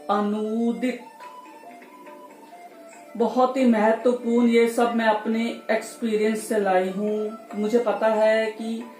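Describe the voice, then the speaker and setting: A middle-aged woman teaching Hindi spelling and pronunciation, explaining word pairs slowly and deliberately. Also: mid-range voice, a little mellow, roomy sound. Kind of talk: spoken grammar tutorial.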